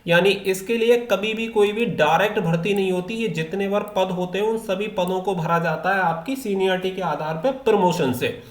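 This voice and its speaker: A man's voice: high voice, moderate pace, hardly any pauses. A man presenting an informal educational explainer, reading out official rules and then restating them step by step in a repetitive way. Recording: echoey, reverberant room.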